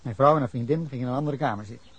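A husky, fairly bright mid-range male voice races along very fast. It belongs to an actor in Dutch radio drama portraying a defensive middle-aged man who gives police an indignant, rambling version of a drunken fight, punctuated by flashes of anger.

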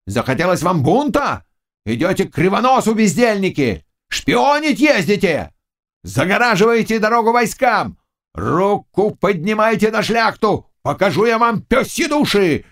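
A blustering old nobleman, as a male audiobook reader puts him on, roaring insults in a raised, gruff voice. His pitch leaps up and down with swagger, and the tone stays bossy and quick to anger. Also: wildly swooping pitch, a bit bright, exaggerated voice. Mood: bellowing. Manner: bellowing, scolding, gruff. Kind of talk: audiobook character voice.

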